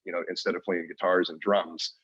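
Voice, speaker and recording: A man's voice: low-pitched, level tone, brisk, a bit bright, slightly rough, dry recording, muffled recording. A man co-hosting a podcast, telling a story in casual chat with lots of restarts and fillers. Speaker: podcast co-host.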